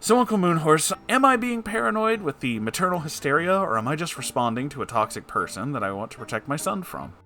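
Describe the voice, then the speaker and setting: A bright-voiced man with a theatrical, highly animated delivery, reading and responding to listener letters. He slips in wry asides and talks conversationally, with music playing behind him. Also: fast talker, few pauses. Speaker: host of a show reading and answering listener letters.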